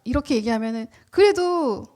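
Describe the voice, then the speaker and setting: Female preacher, high-pitched, animated sermon delivery with rhetorical questions. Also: brisk. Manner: animated, acts out quoted words, asks the congregation questions. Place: church.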